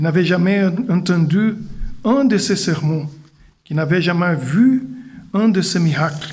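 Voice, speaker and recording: A man with a Brazilian accent talks at a very slow pace, his pitch high and its variation ordinary. The room gives an audible echo. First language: Portuguese (speaking French). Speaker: preacher. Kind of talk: sermon. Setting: church. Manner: halting non-native French.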